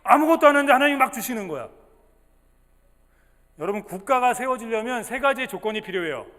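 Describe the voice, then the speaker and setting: A male pastor giving a lively sermon to children, acting out the story's voices and quizzing the kids. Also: extremely high pitch, fast talker. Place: church sanctuary. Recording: long church hall reverb.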